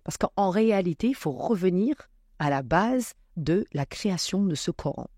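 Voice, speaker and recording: A woman speaking as a podcast guest, reflecting on spiritual matters with many pauses and fillers. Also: on the low side, animated, warm tone, dry recording, clean studio sound.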